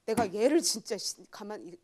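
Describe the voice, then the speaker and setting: A young woman junior pastor giving a sermon with a personal testimony, telling it with loud outbursts and hushed asides. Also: medium pitch, normal speed. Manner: animated storytelling, swings between loud outbursts and hushed asides.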